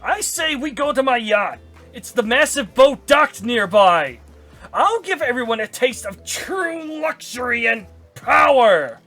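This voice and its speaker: A man's voice: very high voice, lively intonation, measured pace, soft background music, voice pushed up, exaggerated voice. A man voicing a pompous, boastful rich bully in a fan dub of a dating game. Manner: loud, pompous bragging.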